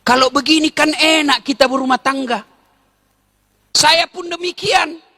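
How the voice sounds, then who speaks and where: A man's voice: very high-pitched, unhurried, bright, forceful tone, in a large hall. A middle-aged male preacher, giving a joking sermon to a crowd and breaking into song.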